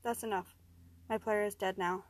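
A woman reading the lines of a sinister man who speaks in a calm, detached way. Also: mid-range voice, normal speed, dry recording, natural voice. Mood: cold. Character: cold, sinister man controlling people.

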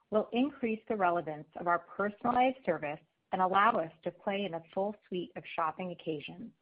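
A woman company executive giving a scripted corporate presentation on an earnings call, in a measured, formal read delivery. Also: lowish voice. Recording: phone-like conference call line.

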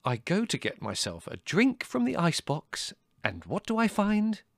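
A man's voice: high-pitched, huge pitch swings, moderate pace, creaky, no echo, clean studio sound, voice pushed up, exaggerated voice. A man voicing an outraged, pompous young Englishman in a storybook, bellowing with theatrical indignation. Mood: bellowing, disgusted.

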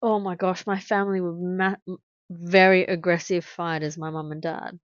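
A woman's voice: on the low side, little pitch movement, dry recording. Young australian woman chatting on a podcast, laughs a lot, dry slightly dull sound. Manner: chatty, candid, quick to laugh. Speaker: podcast co-host. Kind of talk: casual chat.

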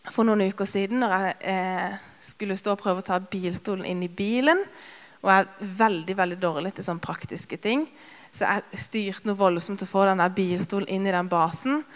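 A woman in her thirties preaches in a relaxed, conversational way, often pausing on filler sounds. She grows lively when retelling moments from daily life. Her voice carries the long reverb of a large church hall. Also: mid-range voice. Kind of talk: sermon with personal stories.

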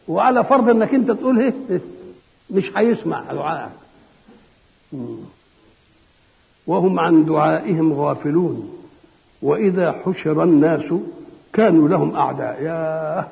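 Gravelly older Egyptian preacher, high and quick. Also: male voice. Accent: Egyptian Arabic. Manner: conversational, asks and answers his own questions; recites verses slowly and solemnly. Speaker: Islamic scholar giving Quran commentary. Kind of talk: colloquial Quran exegesis lecture. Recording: dull lo-fi recording with long hall reverb.

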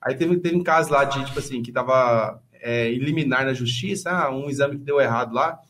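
A man's voice: mid-range voice, fairly bright tone. A man, a police officer, telling stories from his training in slangy, casual podcast chat. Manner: rapid, slangy storytelling.

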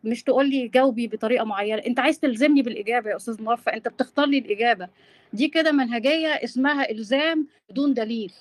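A woman's voice: fairly high pitch, racing, no echo. A woman in her forties with an Egyptian accent in an informal live debate, insisting on being allowed to finish her points. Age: 40s.

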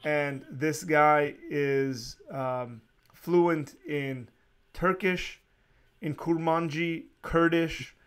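A man hosting a casual interview, talking in a relaxed, rambling way with frequent restarts and small laughs. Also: on the high side, very slow, clear, resonant tone. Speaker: podcast host.

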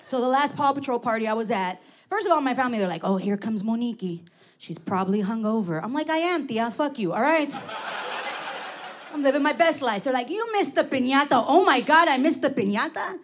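A woman's voice: high-pitched, animated, brisk, noisy background. A woman doing a brash, profane stand-up set into a handheld mic. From Los Angeles. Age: 40s. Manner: brash, profane, loud punchlines. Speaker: stand-up comic.

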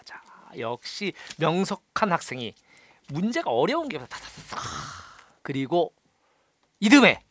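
Animated, bright-voiced storyteller. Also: medium pitch, unhurried, long pauses. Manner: theatrical, acts out quotes. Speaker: podcast host. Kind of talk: animated anecdotes and casual storytelling.

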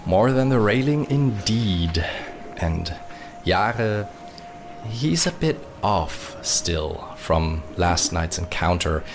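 A man's voice: deep voice, sing-song, slow pace, background noise. A man casually improvising descriptive third-person narration of his character as a player in a roleplay podcast.

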